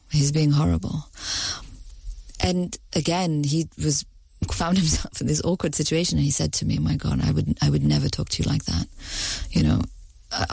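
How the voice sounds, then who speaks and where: Low, gravelly-voiced woman recounting her past. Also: mellow, no echo. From Middle East. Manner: measured, thoughtful storytelling with pauses. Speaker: interview guest. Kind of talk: reflective personal account.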